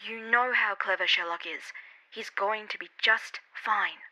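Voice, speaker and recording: A woman voicing a gentle, anxious middle-aged mother who keeps reassuring her daughter. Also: medium pitch, unhurried. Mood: soothing. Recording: dull lo-fi recording.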